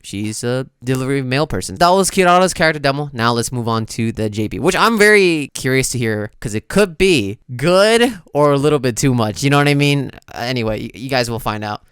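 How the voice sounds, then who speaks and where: A man's voice: medium pitch, lively intonation, a little fast, hardly any pauses, a bit bright, clear, resonant tone, dry recording, studio quality. A man giving casual, slangy and exclamatory reaction commentary as a video host. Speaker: video host, game reaction content creator. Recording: music playing behind the voice. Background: music.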